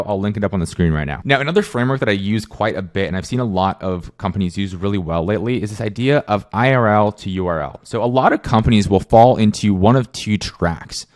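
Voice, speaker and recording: Male video host, low voice, informal and conversational, explaining in a casual style. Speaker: host, content agency owner.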